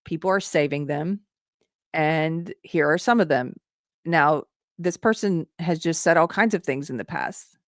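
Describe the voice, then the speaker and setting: A woman's voice: deep voice, a little slow, dry recording, clean studio sound. A woman hosting a casual commentary show, thinking aloud with restarts and reading posts aloud as she comments on them. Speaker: host.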